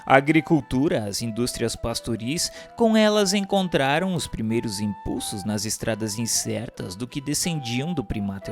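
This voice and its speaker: A man's voice: mid-range voice, vocal fry. A man with a Brazilian accent reads a scripted narration in a solemn, formal, declamatory way. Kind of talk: scripted narration, audiobook-like reading of a religious history text. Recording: voice over instrumental guitar music. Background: instrumental music with guitar.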